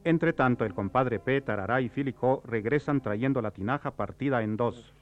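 A man's voice: mid-range voice, moderate pace, soft background music. Male drama narrator, scripted, mid-range, on a slightly lo-fi recording. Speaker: narrator reading stage directions.

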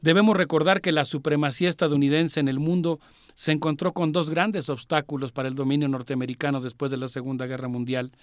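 A male radio co-host explains world affairs in a careful, measured way, often pausing on little "eh" fillers. His voice is somewhat high for a man, with fairly even intonation, and the studio sound is dry, close and free of echo.

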